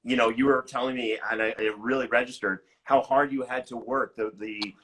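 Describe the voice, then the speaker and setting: A man with a bright, crisp-edged voice at an average male pitch. He interviews casually for a livestream, conversational and loosely rephrasing his questions. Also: steady tone, brisk, slight background noise, low-quality recording. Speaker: podcast interviewer.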